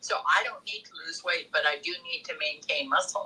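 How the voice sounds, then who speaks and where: Noticeable background noise behind speech at a fairly slow pace. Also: woman. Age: 80s+. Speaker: caller. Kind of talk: casual chat.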